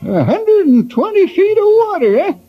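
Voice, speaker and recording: A man's voice: extremely high pitch, sing-song, moderate pace, slight background noise. An actor playing a cranky old male sidekick who loves food, in a 1940s radio drama. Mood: excited. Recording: dull lo-fi old radio transcription.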